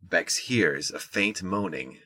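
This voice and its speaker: A man narrating a scripted audio drama in a measured, descriptive storytelling manner. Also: low-pitched, lively intonation, sharp tone, husky, dry recording, studio quality.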